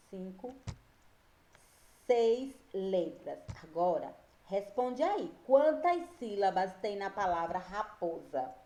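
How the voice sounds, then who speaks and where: A woman teacher, giving a slow and patient reading and spelling lesson to young children, often checking whether they follow. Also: mid-range voice, dark tone, roomy sound. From Brazil. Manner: slow, patient, drawn-out words, frequent checks with pupils. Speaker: primary school teacher.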